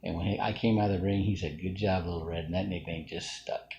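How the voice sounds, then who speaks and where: A man's voice: deep voice, steady tone, fast, vocal fry, darkish tone, lo-fi sound, a little hiss or hum. A middle-aged man from Alabama, talking through a casual, rambling self-reflective monologue full of fillers and restarts. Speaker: vlogger.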